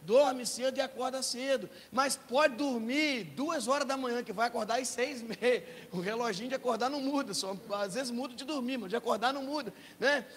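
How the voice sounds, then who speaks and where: A middle-aged Brazilian man preaching a sermon, an animated storyteller who swings from hushed tones to shouting. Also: extremely high pitch, fairly quick, few pauses. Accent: Brazilian Portuguese. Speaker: pastor. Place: church hall. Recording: reverberant church hall with hiss.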